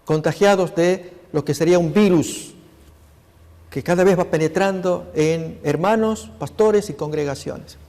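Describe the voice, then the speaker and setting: High-voiced preaching pastor in echoing hall. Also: male voice, a little slow, dark tone. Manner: earnest preacher addressing the brethren. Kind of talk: sermon with slides. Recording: long hall reverb.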